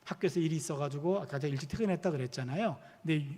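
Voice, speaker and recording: A man's voice: on the high side, very fast. A man in his fifties, a pastor and professor, preaching a sermon full of personal stories and acting out the dialogue. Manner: animated storytelling, acting out quoted dialogue. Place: church sanctuary. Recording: long reverb of a church hall.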